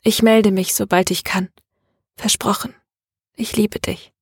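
A woman's voice: medium pitch, little pitch movement, measured pace, slightly rough, dry recording, clean studio sound. A woman reading the part of a troubled, tense young woman who talks in an earnest, hesitant way. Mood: pleading.

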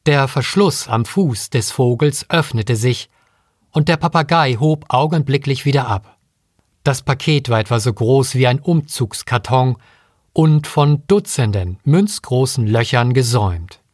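A man narrates a story evenly at a middle pitch, recorded close on the mic. The sound is dry, with no room. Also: animated, measured pace, dry recording. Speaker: audiobook reader. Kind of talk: scripted narration.

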